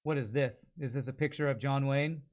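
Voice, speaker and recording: A man's voice: mid-range voice, steady tone, a little fast, darkish tone. A man in casual livestream chat, thinking aloud and critiquing his own work as an amateur voice actor.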